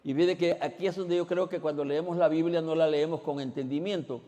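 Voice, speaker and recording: A man preaching a sermon as pastor. He questions the congregation directly and swings between loud exclamations and quiet asides. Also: a little high, fairly even intonation, fairly quick. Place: church. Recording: long reverb in a church hall.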